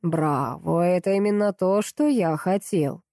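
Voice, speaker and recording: Husky sinister shadow-man in black, read by a woman, curt, cold, dry close sound. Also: fairly low pitch, a little slow, dark tone, no echo.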